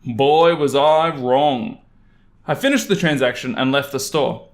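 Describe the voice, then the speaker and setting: A man working as a storytelling narrator, reading an online story aloud in an animated style. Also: medium pitch, a little slow.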